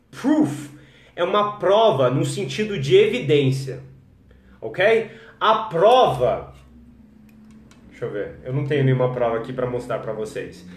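A Brazilian man teaching English on a live stream, relaxed and chatty, greeting viewers by name and modeling pronunciations slowly. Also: mid-range voice. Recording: echoey room.

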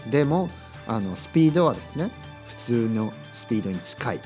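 A man's voice: medium pitch, very animated, a little fast, darkish tone, faint music behind. A man from Kyushu hosting a casual solo podcast for learners, chatty and given to repeating phrases and acting out little dialogues. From Kyushu, Japan. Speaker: podcast host teaching Japanese.

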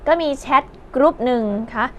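A young woman co-hosting a TV music show, chatting, teasing her partner and telling gossip news in a bubbly, rapid-fire way. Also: highs cut off, a little hiss or hum.

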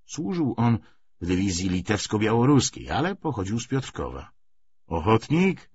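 A man's voice: on the low side, wildly swooping pitch, normal speed, darkish tone, breathy edge. A man reading a literary novel aloud as an audiobook narrator, on a slightly dull recording.

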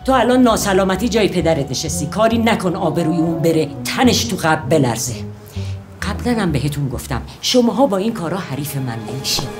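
A woman's voice: fairly low pitch, animated, over music, natural voice. An actress playing a firm older widowed grandmother who scolds her grown son in a motherly way. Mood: stern. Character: stern widowed grandmother, a medical student. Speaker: widowed grandmother turned medical student.

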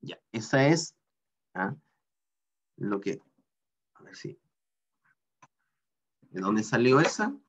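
A man's voice: mid-range voice, sing-song, slow pace, long pauses, husky, dull audio. A man teaching a mechanics class online, working through equations step by step and often checking in with a questioning "ah?".

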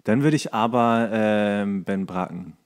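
A man's voice: fairly low pitch, slow, smooth. A young man chatting casually as a podcast co-host and commenting on a show as he watches.

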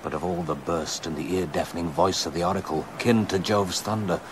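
An actor playing a very deep-voiced reverent courtier. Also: male voice, fairly even intonation, fairly quick, background noise, close to an everyday voice. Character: courtier, traveller from the oracle.

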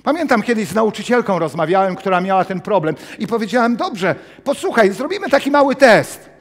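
A man in his fifties preaching a sermon with personal testimony in a small church hall, animated and gesturing as he paces. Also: sits high, brisk. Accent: Polish. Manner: animated, gesturing broadly while pacing the stage. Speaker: pastor.

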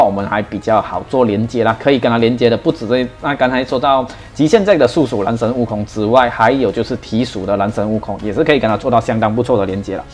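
A man gives a relaxed preview of a mobile game. He keeps restarting his sentences as he thinks aloud, and his pitch swings widely and animatedly at a middle level. Soft music plays quietly in the background. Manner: chatty and excitable, thinking out loud with repeated starts. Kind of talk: casual game preview commentary.

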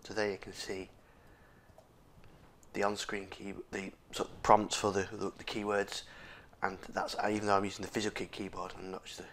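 Low-pitched and completely flat, with a slightly bright tone, this tech video host moves at a moderate pace. His throat is sore and his voice scratchy as he casually narrates a screen-recorded walkthrough, often using fillers and starting over.

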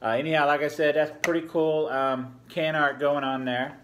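A man in his forties gives a relaxed, rambling beer review full of fillers, talking at a table in a home bar room. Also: fairly high pitch, moderate pace, slight background noise. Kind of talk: casual beer review vlog. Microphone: fixed camera at a table.

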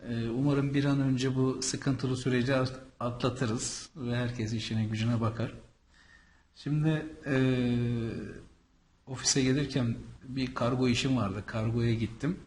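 A man's voice: mid-range voice, darkish tone, a little hiss or hum. A man working as a visa and travel consultant, talking in a casual, rambling vlog monologue with many fillers from Anatolia.

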